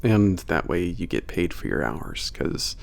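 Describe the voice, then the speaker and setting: A man playing a teasing werewolf trainer with a bit of an attitude in an ASMR roleplay, gravelly, casual and hesitant in his banter. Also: low voice, sing-song, unhurried, heavily acted. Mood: reassuring. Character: teasing, gruff-edged male werewolf trainer at a spaceport. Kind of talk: ASMR roleplay, naturalistic one-sided conversation.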